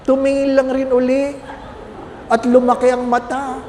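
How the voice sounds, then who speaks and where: A man's voice: extremely high pitch, monotone, unhurried, darkish tone, in a large hall, slight background noise. A man, a Catholic priest, preaching a homily with humorous stories and constant questions to his congregation. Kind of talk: sermon.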